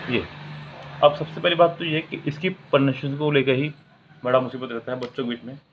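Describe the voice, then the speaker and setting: A man's voice: medium pitch, fairly quick, a little hiss or hum. A man explaining English grammar in Hindi as a teacher, reading example sentences aloud and asking questions that he then answers himself. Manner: asks the viewer questions and answers them himself. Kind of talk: classroom-style video lesson. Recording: tinny, phone-like sound.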